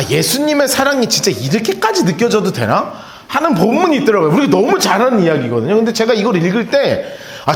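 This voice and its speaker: A middle-aged male pastor preaching a sermon, chatty and animated, with laughing asides to the congregation. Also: high-pitched. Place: church sanctuary. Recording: roomy church reverb.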